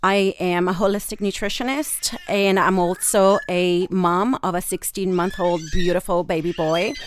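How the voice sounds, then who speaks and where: Against noticeable background noise, a woman speaks at a medium pitch with a slight Italian accent. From Rome, Italy. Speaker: nutritionist. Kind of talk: interview. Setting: studio.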